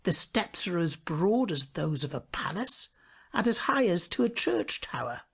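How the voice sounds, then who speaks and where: A man's voice: sits high, big pitch swings, measured pace, vocal fry, breathy edge, exaggerated voice. A man voicing snooty new houses as scornful, complaining neighbours in a storybook tale. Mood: indignant, scornful.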